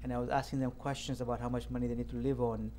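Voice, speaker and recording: A middle-aged man from Tanzania speaks as an author guest in an interview. He tells his story in an earnest, reflective way and sometimes stops to restart a sentence. His mid-pitched voice has a warm, mellow tone over a faint background hiss. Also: little pitch movement, very fast.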